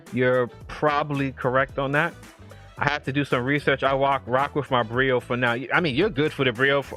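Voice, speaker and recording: A man's voice: medium pitch, a bit bright. Casual rambling man live streaming tech talk. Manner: loose and rambling, reads chat aloud and answers viewers. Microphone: streaming mic with audio filters.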